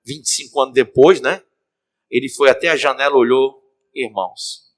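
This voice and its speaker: A bishop preaches in church with a Cearense Brazilian Portuguese accent, his mid-range male voice moving fairly quickly. He tells a story as his sermon, animated and calling out directly to the congregation.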